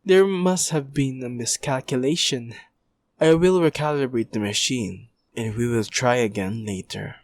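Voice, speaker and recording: A man's voice: mid-range voice, measured pace, natural voice. A man playing a cold, arrogant villain doctor in an audio roleplay, with a clinical, condescending delivery. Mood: detached. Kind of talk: ASMR audio roleplay acting.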